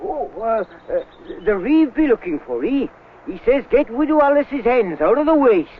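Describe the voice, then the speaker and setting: Hapless medieval swineherd, very high, swooping, hesitant rustic speech, tinny old film soundtrack. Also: male voice, very animated, moderate pace, slight background noise. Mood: flustered. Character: flustered hapless medieval English village swineherd. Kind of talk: educational film historical acting.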